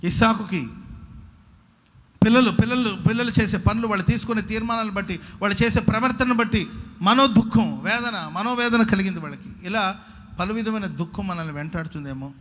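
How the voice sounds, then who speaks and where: A man's voice: high voice, fairly quick, a bit bright. A man preaching a sermon, talking emphatically and repeating phrases, with call-and-response to the congregation.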